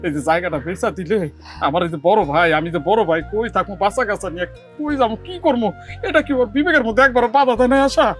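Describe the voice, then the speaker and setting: Man acting a poor village husband, quick anxious talk, faint music behind. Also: sits high, a bit bright. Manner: worried, despairing. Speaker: village husband and elder brother. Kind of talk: television drama acting.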